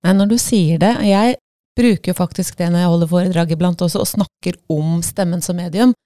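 A woman's voice: on the low side, mellow, dry recording, studio quality. A woman guest chatting candidly and with self-deprecating humour about her own voice. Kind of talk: casual chat.

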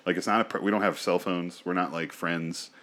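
A man with a very deep, low voice co-hosts a casual podcast. He tells stories crudely and with animation, swearing freely. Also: fairly even intonation, fairly quick, a bit bright. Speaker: podcast co-host.

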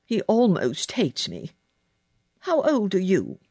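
A woman's voice: mid-range voice, huge pitch swings, takes it slowly, a little mellow, breathy edge, no room sound, voice pushed up, exaggerated voice. A woman voicing a sickly, spoiled ten-year-old boy, cross and demanding, in a storybook reading. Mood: cross, mournful. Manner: cross, demanding, self-pitying.

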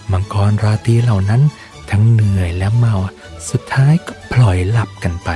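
A man narrating a bedtime story gently in a soft ASMR style. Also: lowish voice.

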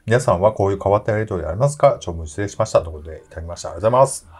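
A man's voice: sits low, very fast. A man with a Kansai accent hosting a casual talk show, reading listener mail and teasing his co-hosts. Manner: animated, chatty, teasing. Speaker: podcast host.

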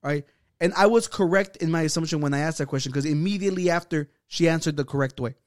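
A man's voice: on the high side, fast. A man on a casual podcast insisting on his view, stumbling over repeated words as he pushes. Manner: insistent, stammers and repeats words when pushing. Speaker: podcast co-host. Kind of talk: heated casual debate.

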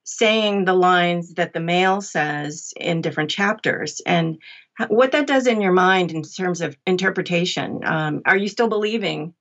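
Female interview guest, lower register, reflective conversational delivery, somewhat lo-fi sound. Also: a little slow, fairly bright tone. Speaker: audiobook narrator, interview guest.

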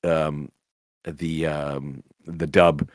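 A man's voice: very deep voice, little pitch movement, drawn-out words, no room sound. A man, a voice actor guest on a podcast, telling rambling anecdotes with lots of restarts and fillers. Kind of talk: casual podcast interview.

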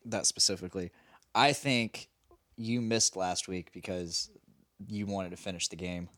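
A man's voice: low-pitched, fairly even intonation, measured pace, fairly bright tone. A young man co-hosting a podcast, teasing playfully and laughing often. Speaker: podcast co-host. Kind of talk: casual podcast banter.

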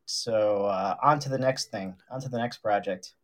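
A man's voice: on the low side, moderate pace, fairly bright tone. A man co-hosting a radio show, teasing his partner in casual, joking chat. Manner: teasing, playful banter. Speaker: radio co-host.

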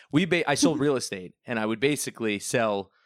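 Chatty young male guest from the Northeast, mid-pitch, dry close sound, laughs a lot. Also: expressive, moderate pace, no room sound. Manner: chatty, laughs often, rambling storyteller. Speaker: TV news reporter, guest. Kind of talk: casual podcast chat.

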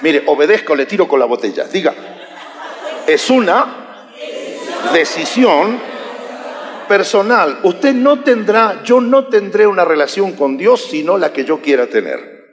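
A man delivering a sermon with a raised, lively voice that leaps up and down in pitch. He is animated and teases the congregation between points. The sound carries a long echo from a big church hall. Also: normal speed, a faint crowd. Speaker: pastor. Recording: echoey hall reverb.

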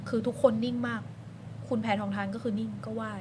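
A woman co-hosting a news talk show, telling what she saw in a rapid, slangy, chatty way. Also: a little high, little pitch movement, warm tone, a little hiss or hum. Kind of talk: casual news chat.

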